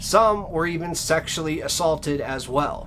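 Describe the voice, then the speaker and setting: A man talks in a high pitch with an American accent. Noticeable background noise runs behind him. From Massachusetts, south of Boston. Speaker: true crime storyteller. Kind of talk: storytelling narration.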